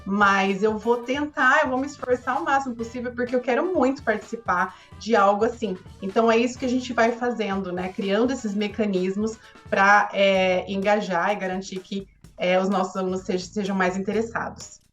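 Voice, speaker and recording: A woman who works as an educational consultant, talking earnestly in a relaxed podcast conversation and often tagging her sentences with filler words. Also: medium pitch, moderate pace, few pauses, faint music behind. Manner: earnest, frequent filler tags.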